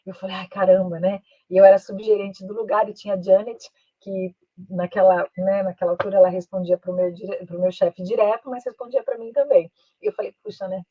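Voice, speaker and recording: A Brazilian woman teaches an English class in a chatty style, tagging her sentences with little questions and switching into English now and then. Her voice is husky and slightly breathy. It sounds dry and close, on a somewhat dull, lo-fi recording. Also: medium pitch, fairly even intonation, brisk, dry recording. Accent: Brazilian Portuguese. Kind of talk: online master class.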